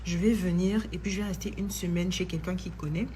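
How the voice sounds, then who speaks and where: A woman's voice: fairly low pitch, brisk, a little hiss or hum. A woman who tells a personal faith testimony in a chatty vlog, dropping in English phrases. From Ivory Coast. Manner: chatty, mixes in English phrases, grows excited. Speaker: vlogger.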